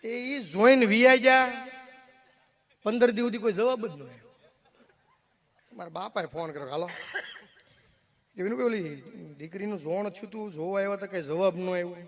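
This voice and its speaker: A man telling folk comedy stories on stage, quick and full of acted voices. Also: high voice, a little mellow. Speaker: stand-up comedian and mimic. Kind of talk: Gujarati folk comedy storytelling.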